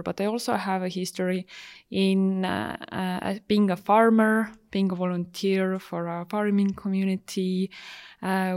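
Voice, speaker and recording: A woman's voice: mid-range voice, darkish tone, dry recording, clean studio sound. A woman with an Estonian accent introducing herself informally as a project ambassador on a panel.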